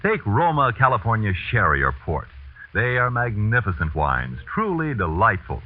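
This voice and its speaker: A man's voice: lowish voice, wildly swooping pitch, moderate pace. A man reading a sponsor's commercial in a polished, persuasive 1940s radio announcer style. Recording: tinny 1940s radio broadcast.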